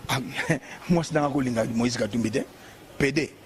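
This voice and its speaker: A man's voice: mid-range voice, moderate pace, a little hiss or hum. A man with a Congolese accent, a bishop giving a heated, emphatic, repetitive political monologue.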